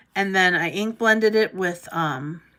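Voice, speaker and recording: Speaking at a very slow pace, a woman with a Pittsburgh accent uses a medium pitch and ordinary pitch variation. Her tone is bright and sharp. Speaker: card-making crafter. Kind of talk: live stream craft demo. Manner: casual, hesitant with fillers.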